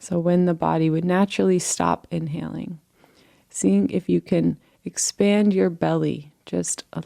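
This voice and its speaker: A woman leading a guided relaxation in a gentle, unhurried, permissive manner, as a meditation guide. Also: fairly low pitch, vocal fry, dry recording, clean studio sound.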